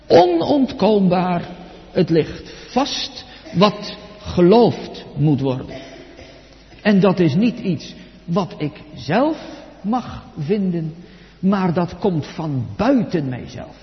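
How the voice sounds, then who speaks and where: Emphatic preacher in a reverberant church. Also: male voice, high-pitched. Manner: solemn, emphatic preaching with slow deliberate stresses. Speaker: pastor. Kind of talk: sermon. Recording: dull lo-fi church recording with long reverb.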